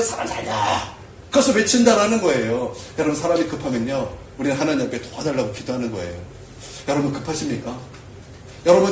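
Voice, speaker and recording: A man preaching a sermon as pastor, animated and full of rhetorical questions to the congregation. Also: a little high, distant mic, slight background noise. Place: church sanctuary. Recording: echoey church from afar.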